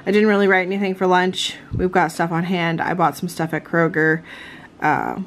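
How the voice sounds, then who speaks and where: A woman's voice: on the low side, flat delivery, moderate pace, a little hiss or hum. Chatty woman rambling through a haul. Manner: chatty, rambling with fillers and restarts. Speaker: vlogger. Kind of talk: casual haul vlog. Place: home kitchen, indoors.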